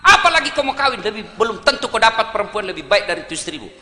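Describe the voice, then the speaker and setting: A man preaching who voices a fierce old mother loudly scolding her grown son. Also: very high voice, a little fast, exaggerated voice. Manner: scolding, loud, indignant. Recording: echoey hall, faint noise.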